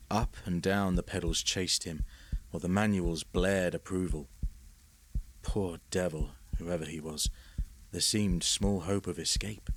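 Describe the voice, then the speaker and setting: Deep-voiced man narrating a horror tale. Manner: measured, sinking to a hush in tense passages. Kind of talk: scripted horror story narration. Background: faint music.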